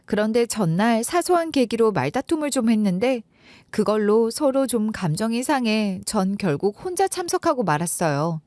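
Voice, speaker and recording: A woman reads a first-person radio story as a husband, in a confiding, rueful tone. Her voice is fairly high and moves a lot in pitch. The recording is close and dry. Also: darkish tone, no room sound. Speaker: story narrator.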